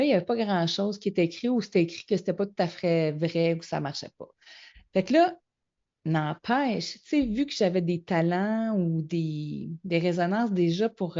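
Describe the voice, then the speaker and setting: Middle-aged woman, Québécois accent, animated storyteller guest, slightly dull recording. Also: lowish voice. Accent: Québécois French. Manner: animated storyteller, acts out quoted dialogue. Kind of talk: casual storytelling interview. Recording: slightly muffled lo-fi audio.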